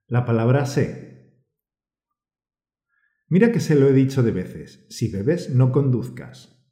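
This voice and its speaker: A man from with a mellow, warm voice, co-hosting a scripted grammar lesson. He explains rules calmly and encourages the listener. The recording has a roomy echo. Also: medium pitch, takes it slowly. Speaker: podcast co-host and Spanish teacher. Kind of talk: scripted teaching podcast.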